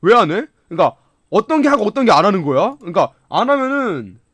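Excitable high-voiced streamer, close and dry. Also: male voice, brisk, dry recording. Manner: excitable, swings from mumbling to shouting and laughing. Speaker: gaming streamer. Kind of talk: casual game commentary.

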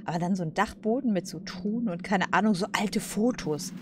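A woman's voice: mid-range voice, fairly quick, background noise. A woman hosting a let's play, chatting casually and musing aloud in informal slang. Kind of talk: casual gaming commentary.

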